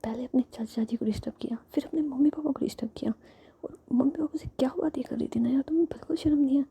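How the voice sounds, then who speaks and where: A playful young wife , whispered by a woman, who coaxes and teases her partner in a soft, breathy hush. The voice is very dark and airy, close and mellow. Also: high-pitched, quick pace, pitched above the performer's own voice, exaggerated voice. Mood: scolding. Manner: whispered, coaxing.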